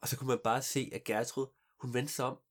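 An improvising storyteller who tells the tale in an animated, playful way and laughs at the jokes. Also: medium pitch.

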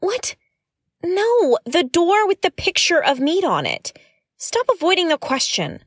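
A woman's voice: very high-pitched, wildly swooping pitch, unhurried, dry recording, studio quality, full character voice. A woman playing a blunt, suspicious space explorer in a science-fiction audio drama, with an exasperated, sarcastic and emphatic delivery.

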